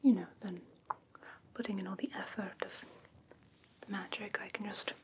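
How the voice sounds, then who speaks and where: A woman playing a curious, haughty fae creature in an ASMR fantasy roleplay, whispering softly in a hesitant, musing, gently condescending way. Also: medium pitch, steady tone, normal speed, noisy background, natural voice. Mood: wryly amused. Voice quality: soft breathy whisper.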